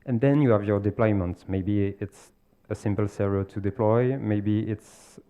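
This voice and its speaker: A man with a French accent giving a technical conference talk, explaining step by step with pauses and self-corrections. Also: on the low side, smooth, phone-quality sound. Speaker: conference speaker. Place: conference stage.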